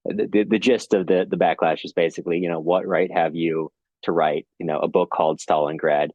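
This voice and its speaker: A man's voice: low-pitched, steady tone, brisk, darkish tone, breathy edge, dry recording, muffled recording. A man hosting a podcast, talking casually about literature in a hesitant, hedging way. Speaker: podcast host.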